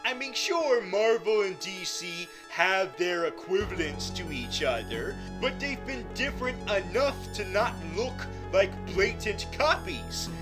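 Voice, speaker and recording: A high-voiced, twitchy small-time supervillain, put on by a man, stumbles and stammers through his questions, repeating words as he rambles. He talks slowly over steady background music. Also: poor audio. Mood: rambling. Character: nervous lesser-known male supervillain interviewer. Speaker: interviewer.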